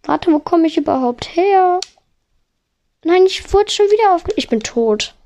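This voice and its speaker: A woman on a headset mic giving excitable let's play commentary, narrating every move and swearing when she fails. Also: very high-pitched, a little slow. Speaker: gamer.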